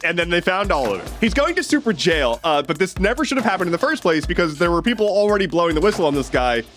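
A sarcastic American man in his thirties runs through the day's news in a high, lively voice that swings all over the place. He talks casually and drops dry, opinionated asides. Faint music plays underneath. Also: quick pace. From United States. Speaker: news commentary host. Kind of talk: casual daily news commentary.

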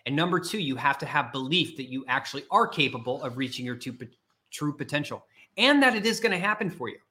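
A man's voice: mid-range voice, expressive, fast, sharp tone. A man speaking as a career coach in a blunt, emphatic motivational talk, repeating his points.

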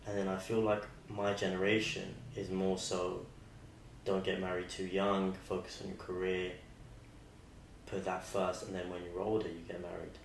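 Deep-voiced young man hosting. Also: little pitch movement, normal speed, vocal fry. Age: 20s. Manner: rambling, friendly, many restarts. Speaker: podcast host. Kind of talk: casual interview chat. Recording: roomy sound with faint noise.

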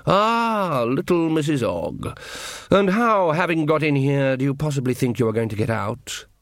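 A man performs a huge horned god in an audiobook fantasy tale. The voice is smooth and rich, unhurried to the point of drawling. He is haughty and weary, looking down on everyone he addresses. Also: on the high side, expressive, no echo, clean studio sound. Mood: languid disdain. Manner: slow, drawling, condescending.

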